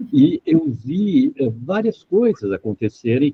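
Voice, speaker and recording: A man speaks at a very slow pace, his voice somewhat breathy. His pitch swings very widely. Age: 70s. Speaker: art history professor. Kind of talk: lecture-style answer in online workshop.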